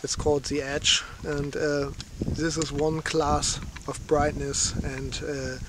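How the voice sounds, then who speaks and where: A man in his forties speaks slowly and haltingly, searching for words in simple English. His voice sits a little high. He is recorded outdoors on a camera at arm's length, with faint rain and open-air noise behind him. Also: flat delivery. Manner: halting, many fillers, simple non-native phrasing. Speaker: outdoor channel host. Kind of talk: casual gear review. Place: outdoors on a lakeshore in light rain. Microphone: handheld camera at arm's length.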